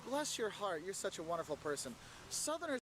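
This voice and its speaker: A man's voice: high voice, sing-song, a little fast, a bit bright, slight background noise, low-quality recording. A man talking straight to the viewer in an emphatic, explanatory vlog style. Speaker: video creator.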